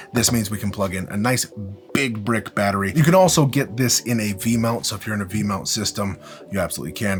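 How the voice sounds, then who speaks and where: Over background music, a man with a mid-range, fairly bright voice walks viewers through film gear in a tutorial. His explanations are informal and emphatically phrased, dotted with casual asides.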